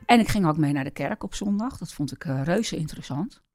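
A middle-aged woman from the Netherlands telling her life story in an interview, speaking hesitantly with many pauses. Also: sits low, expressive, darkish tone, no room sound. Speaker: interview guest.

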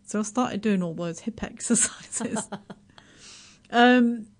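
With a fairly high pitch and a Yorkshire accent, this middle-aged woman from Yorkshire is a radio guest in a casual interview. She keeps laughing and mocking herself, and her chatty sentences keep stopping and starting over.

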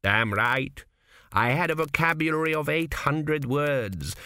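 Man doing crude old ancestor ghost, cynical swindler, slow gruff drawl, raised voice, lively. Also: a little high, no room sound, pitched above the performer's own voice, heavily acted. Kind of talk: audiobook character voice.

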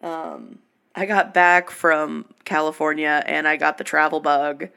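A woman co-hosting a podcast in casual chat, a little hoarse after being sick, swearing freely and acting out the people she talks about. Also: low voice, measured pace. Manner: animated, swears a lot, acts out quoted exchanges. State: slightly hoarse after illness. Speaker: podcast co-host.

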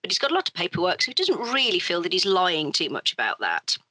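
A woman playing a tabletop role-playing game, chatting briskly about her character and speaking as him. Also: fairly low pitch, huge pitch swings, sharp tone, no room sound, poor audio. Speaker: player.

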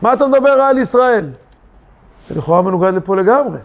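A man, a rabbi, teaching a weekly yeshiva Torah lesson, lively with rhetorical questions and acted-out quotes. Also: high voice. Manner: animated, rhetorical questions, acts out quoted voices. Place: yeshiva study hall. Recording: dull lo-fi recording.

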